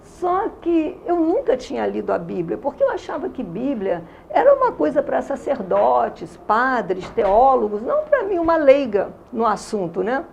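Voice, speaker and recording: As an interview guest, a Carioca woman in her sixties from Rio de Janeiro gives an emotional, earnest religious testimony. She speaks at normal speed with few pauses, in a high, sing-song voice that has vocal fry and a darkish tone. The audio is dull, with a little hiss or hum.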